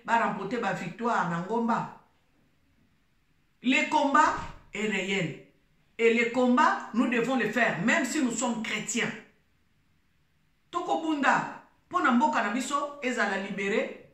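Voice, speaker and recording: A woman's voice: fairly high pitch, bright, forceful tone. Fervent Congolese woman preaching in an echoey room. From Democratic Republic of the Congo. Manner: emphatic, preachy, repeats phrases, mixes French and Lingala. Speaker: gospel singer and host. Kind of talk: impassioned religious exhortation.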